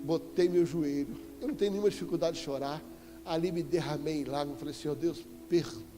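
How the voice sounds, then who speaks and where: A man with a Brazilian Portuguese accent preaching a sermon as an apostle, telling a story with animated emphasis and sudden loud exclamations. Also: a little high, quick pace. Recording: echoey church hall with faint music.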